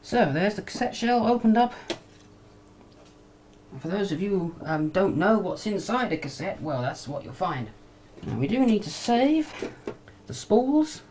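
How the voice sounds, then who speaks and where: A woman giving a casual hands-on demonstration with a hesitant, halting delivery, picked up on a camcorder microphone. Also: mid-range voice, big pitch swings, darkish tone. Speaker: hobbyist video maker, demonstrator. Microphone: camcorder microphone near the bench. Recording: noisy amateur camcorder sound.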